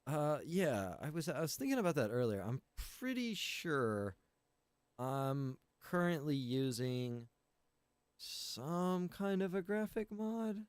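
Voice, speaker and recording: A man's voice: fairly high pitch, big pitch swings, slow pace, clear, resonant tone, no room sound. A man chatting casually on a game livestream, explaining things in a rambling, informal way as he addresses his viewers. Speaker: game livestreamer and roleplay server organizer.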